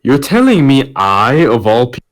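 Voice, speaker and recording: A man's voice: mid-range voice, very animated, unhurried. Sarcastic man in casual podcast banter. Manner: sarcastic, crude joking. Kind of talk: casual chat.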